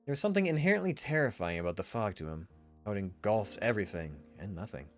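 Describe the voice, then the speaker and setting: A man reads visual novel narration as a streamer, dramatically and with casual asides. His voice is on the low side and moves widely in pitch, with music playing faintly underneath. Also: animated, fast talker.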